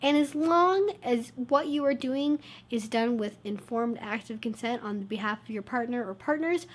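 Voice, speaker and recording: Stuffed-up woman vlogger, higher voice. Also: normal speed. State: congested, stuffed-up nose; low on energy. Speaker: YouTube channel host. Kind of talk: casual talk to camera.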